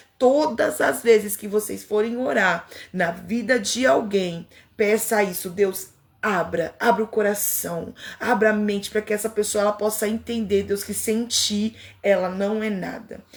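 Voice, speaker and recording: A woman has an ordinary speaking voice at a medium pitch. Her pitch varies in an ordinary way. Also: fairly slow pace. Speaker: pastor. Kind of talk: sermon. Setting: live stream.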